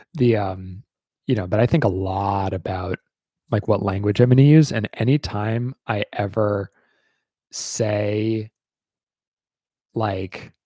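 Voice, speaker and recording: Very slow and broken by long, frequent pauses, a man with an American accent speaks at a fairly low pitch in a dark, mellow tone with ordinary pitch variation, captured in a very clean recording with a silent background and a dry, close sound with no echo. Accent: generic American. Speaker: streamer and reviewer. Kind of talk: casual live-stream chat. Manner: halting, many fillers.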